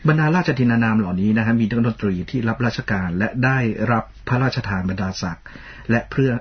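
A man co-hosting a radio talk show in a polite, measured, formal way, often reading out a list of titles. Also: medium pitch, husky, lo-fi sound. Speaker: radio co-host.

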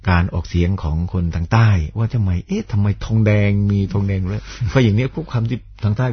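A man's voice: fairly low pitch, fast talker, slightly rough. A man with a Southern Thai accent hosting a radio show in casual, chatty talk, self-deprecating and full of fillers and restarts. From Southern Thailand. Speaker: radio host. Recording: dull lo-fi radio recording.

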